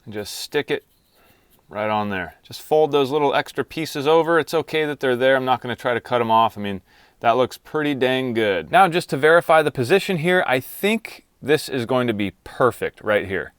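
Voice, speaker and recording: A man's voice: medium pitch, lively intonation, moderate pace, a bit bright, clean tone, no echo, studio quality. A man hosting a casual how-to vlog, talking in an informal, plain-spoken way. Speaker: video host installing car gear. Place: in and around a car in a garage.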